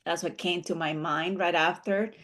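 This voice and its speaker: A woman's voice: fairly low pitch, steady tone, normal speed, a bit bright. A woman taking part in a meditation session, earnestly describing her experience in casual chat and searching for words as she goes. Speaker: session participant.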